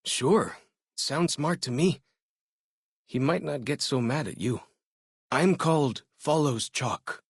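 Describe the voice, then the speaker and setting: A young tribal scout from a video game, with a medium-pitched, slightly husky voice. He is eager, curious and friendly, talking in simple, informal phrases. The recording is dry and close. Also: no room sound. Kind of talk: video game character dialogue.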